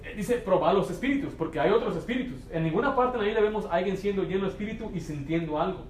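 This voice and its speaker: A man's voice: high voice, animated, fast, heavy background noise. A young adult man preaching a conversational sermon as pastor, with anecdotes and acted quotes. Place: church sanctuary. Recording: echoey church room with faint ambience.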